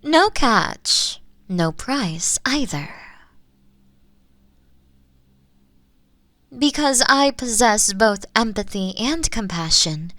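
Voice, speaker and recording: A gentle, ageless female spirit, played by a woman, speaks in a comforting audio roleplay. Her delivery is very slow and deliberate, with formal, soothing phrasing that softens into breathy near-whispers. The pitch sits in a middle female range, and the sound is dry and free of room echo. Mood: earnest, compassionate.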